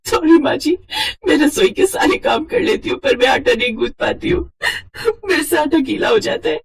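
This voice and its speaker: A woman voicing a timid young new bride who speaks high and tearfully, close to crying, in an animated storybook. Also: moderate pace, creaky, a little hiss or hum, full character voice.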